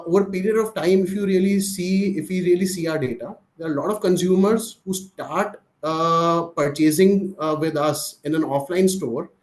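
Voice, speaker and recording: An Indian man presents as a company executive on an earnings call. His voice sits a little high for a man, and he explains things step by step, with pauses in the middle of sentences. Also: a little mellow, rough recording.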